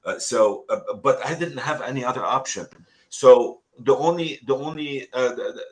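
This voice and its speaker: A middle-aged man from Lebanon, a real estate agent telling his story in an earnest, halting way full of restarts. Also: medium pitch. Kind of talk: casual interview talk.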